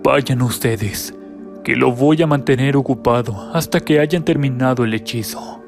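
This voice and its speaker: A man's voice: mid-range voice, measured pace, gravelly. A vengeful middle-aged mother-in-law, decisive and sure of herself, in a storybook reading, voiced by a man. Faint music runs underneath. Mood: stern. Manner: firm, decisive.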